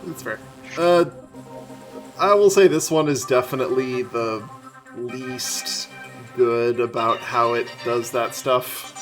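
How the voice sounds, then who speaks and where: A woman's voice: rumbling low, slow pace, faint music behind. A woman chatting casually as the host of a group game stream. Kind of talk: casual live-stream chat.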